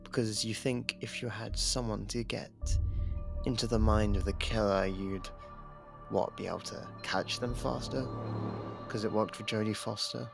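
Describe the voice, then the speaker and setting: A man playing an imprisoned serial killer in an ASMR audio drama, smug, taunting and flirtatious, with a husky, gravelly voice and a sarcastic drawl. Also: fairly low pitch, fairly even intonation, normal speed, over music. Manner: drawling, sarcastic, teasing delivery.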